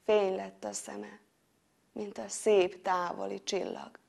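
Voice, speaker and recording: A woman storyteller narrates a fairy tale with great expression. She moves from loud, bright sound words down to soft whispers. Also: mid-range voice, flat delivery, creaky. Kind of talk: dramatic storytelling.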